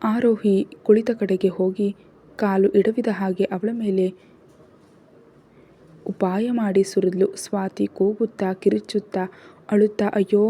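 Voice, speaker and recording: A woman storyteller narrating a serialized drama. Her voice is very dark and mellow, sitting at a middle pitch. The delivery is steady and dramatic. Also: a little slow, long pauses, breathy edge.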